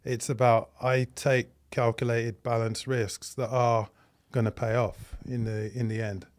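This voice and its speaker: A man speaking as a podcast guest, measured and deliberate. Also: medium pitch, little pitch movement. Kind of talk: conversational interview.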